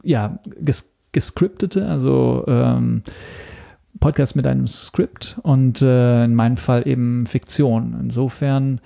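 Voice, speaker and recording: An Italian man appears as a podcast guest in a casual interview, halting as he searches for words and restarts his phrases. His medium-pitched voice is creaky and mellow.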